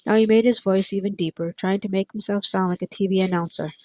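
A woman reading a chapter of a novel aloud, in steady, plain storytelling. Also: medium pitch, fast, dry recording. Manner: steady, plain storytelling with light character voices. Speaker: audiobook reader. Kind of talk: read-aloud narration.

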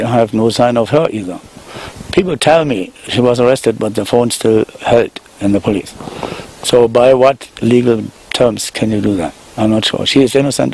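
An older German man speaks with a German accent and a gravelly, husky voice. He makes a halting, earnest appeal outdoors among garden shrubs, talking into a handheld microphone. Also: medium pitch, darkish tone, poor audio. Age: 60s. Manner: earnest, halting, with many restarts. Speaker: interviewee. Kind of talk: emotional appeal in a news interview. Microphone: handheld microphone held below the frame.

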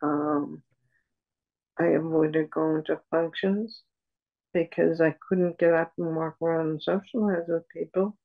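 An older woman on a video call at home, speaking softly and haltingly with many pauses as she talks about her life as a patient. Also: deep voice, steady tone, phone-quality sound. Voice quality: soft voice. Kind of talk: personal account in an interview. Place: room at home. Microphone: video call webcam.

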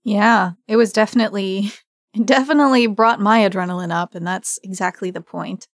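A woman's voice: mid-range voice, brisk, dry recording, studio quality. A woman hosting an interview podcast in an effusive, conversational way. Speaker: podcast host.

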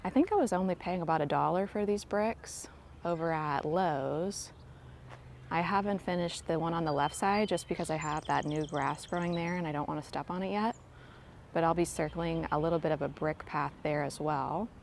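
A woman's voice: sits low, normal speed, creaky, a little hiss or hum. A woman giving a casual, enthusiastic walking tour of her home garden, filming on a handheld phone outdoors. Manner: gentle, enthusiastic, chatty. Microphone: handheld phone camera, filming while walking. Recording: faint outdoor ambience.

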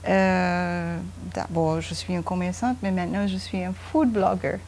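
A woman in her fifties from Guyana, interviewed on the veranda of a home. She speaks slowly and hesitantly in a fairly low voice, pausing often with fillers. A lapel mic picks her up, with faint ambience behind her. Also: fairly even intonation, a little mellow, a little hiss or hum. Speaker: interview guest, mother.

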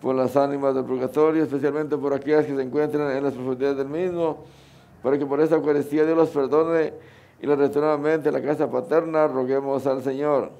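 A man's voice: mid-range voice, flat delivery, a little fast, gravelly, dull audio. A middle-aged man with a Mexican Spanish accent, speaking as a Catholic priest at Mass. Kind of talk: sermon and prayers at Mass. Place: outdoors under a canopy at an altar.

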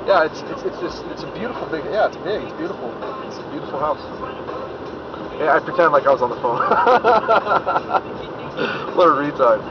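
A man chats loosely from behind the wheel, trailing off and restarting his sentences. His voice sits a bit high and comes through a dull, lo-fi dashcam mic. Steady road and engine noise runs under everything. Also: normal speed. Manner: rambling, relaxed, restarts often. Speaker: vlogger driving and filming. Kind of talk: casual chat while driving. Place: inside a moving car. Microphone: dashboard camera.

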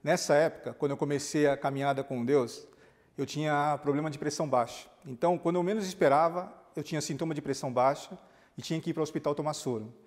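A man's voice: a little high, fast, long reverb tail. A man, a pastor, telling his testimony in a TV interview, acting out quoted dialogue as he goes. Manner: animated storytelling, acts out quoted dialogue.

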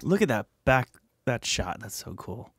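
A man's voice: medium pitch, very animated, moderate pace. A man in his thirties hosting a music reaction video in a small home studio, chatty and rambling with lots of fillers. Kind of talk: casual reaction commentary. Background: faint music playing.

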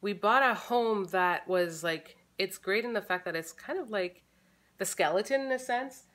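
A woman's voice: medium pitch, moderate pace, a bit bright. A woman in her thirties chatting casually to camera in her living room, thinking aloud with fillers and restarts. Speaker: family vlogger. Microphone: camera close in front.

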